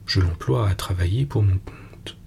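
Give me a calm, secretive fairy governess, as a man reads her. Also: sits low, moderate pace, creaky, a little hiss or hum. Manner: tranquil, guarded, gently firm. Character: calm mysterious woman governess called a fairy.

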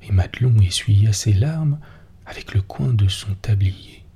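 A man in a whispered role-play, softly narrating an old folk tale. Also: on the low side, animated, a little slow, a little hiss or hum. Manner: soft whispered storytelling. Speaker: storyteller.

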